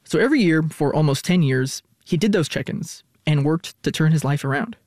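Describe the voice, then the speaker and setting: A male reporter narrates a news feature in a measured, scripted way. His voice sits a little high for a man and sounds dry and close, with no room around it. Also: animated, darkish tone, no echo. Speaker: radio reporter.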